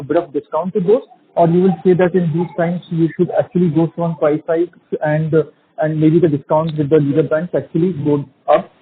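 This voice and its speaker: A man's voice: a little high, slightly rough. A man, an analyst, putting questions conversationally on an earnings call. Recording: tinny narrow phone line.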